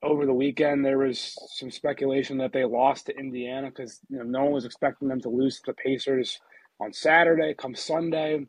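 A man with a slightly husky, mid-pitched voice hosts a casual sports podcast. He talks in a chatty way and often restarts his sentences. The sound is dry and close to the mic. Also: steady tone, brisk, no echo, rough recording. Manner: chatty, many restarts, eating a sandwich while talking. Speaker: podcast host and NBA reporter.

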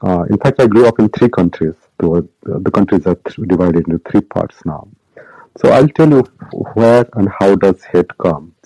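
A man from the Indian subcontinent with a South Asian accent, speaking as an academic in a live audio room and explaining haltingly, with repeated and rephrased phrases. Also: sits low, expressive, mellow, no echo, poor audio. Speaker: university humanities academic, guest speaker. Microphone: remote app call.

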